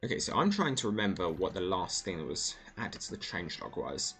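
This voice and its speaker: A man's voice: low-pitched, very animated, fairly quick, a bit bright, soft background music. A man streaming a video game, thinking aloud in a casual, rambling way with many fillers. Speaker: gaming streamer. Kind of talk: casual gameplay commentary.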